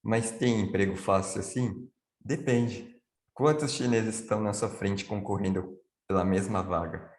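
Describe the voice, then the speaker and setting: A man's voice: fairly low pitch, unhurried, darkish tone, echoey room. A man on a video call explaining things at length, answering his own questions as he goes. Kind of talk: live online Q&A chat.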